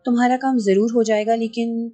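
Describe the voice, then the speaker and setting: A scheming male sorcerer, voiced by a woman in an audio novel, boasting of his powers and bargaining over money. The tone stays mellow and dark, with soft music underneath. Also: a little high, steady tone, close to an everyday voice. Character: scheming older male sorcerer, greedy and menacing.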